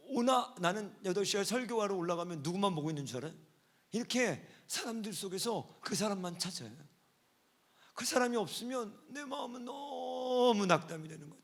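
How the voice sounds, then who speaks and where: A male pastor preaching a sermon at a church service, telling stories and moving between hushed, quiet passages and loud, fervent outbursts. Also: sits high, lively intonation, moderate pace, creaky. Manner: storytelling, swinging between hushed and shouting.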